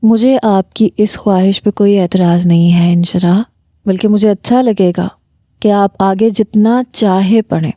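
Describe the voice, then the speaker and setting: A smitten young doctor pleads gently and persistently, as a woman narrator reads him out. The voice is soft and earnest with a mellow, warm tone, recorded dry and close. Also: medium pitch, fairly even intonation, no echo, natural voice. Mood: pleading. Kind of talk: story narration.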